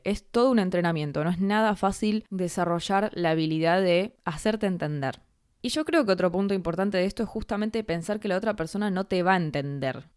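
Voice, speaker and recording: A woman's voice: medium pitch, darkish tone, smooth, no room sound, studio quality. A woman with a Rioplatense Spanish accent, a Spanish teacher hosting her own podcast and talking through ideas in a thoughtful, conversational way. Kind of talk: solo educational podcast monologue.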